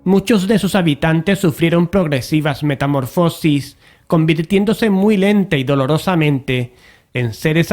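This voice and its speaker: A man's voice: on the high side, darkish tone, close to an everyday voice. A man playing an investigator who chronicles sinister events, narrating an audio drama in a solemn, formal way. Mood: ominous.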